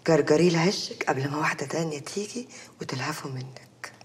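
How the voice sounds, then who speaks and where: A woman's voice: medium pitch, fast talker, darkish tone, slight background noise, close to an everyday voice. Woman playing a blunt, brusque aunt. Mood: brushing off. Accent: Egyptian Arabic. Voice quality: brusque, offhand. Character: blunt dismissive middle-aged aunt. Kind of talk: TV drama acting.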